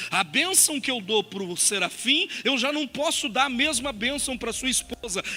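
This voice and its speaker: A man with an extremely high pitch uses a raised, projected voice and lively intonation at a fairly slow pace. Noticeable background noise runs under the recording. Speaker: pastor. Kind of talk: sermon. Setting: church. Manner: animated.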